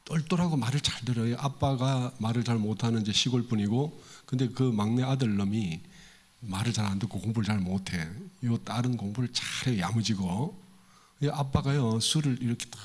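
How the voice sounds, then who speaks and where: A man preaching a sermon to a congregation in a temple hall, in a conversational way, asking his listeners questions and acting out the voices he quotes. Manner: acts out quoted voices with big pitch swings. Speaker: pastor.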